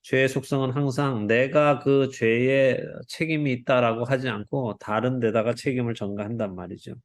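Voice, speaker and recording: A man's voice: mid-range voice, steady tone, normal speed. A man leading a Bible study over a video call, asking the group questions and acting out the quoted lines. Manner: asks the group questions and acts out quoted speech.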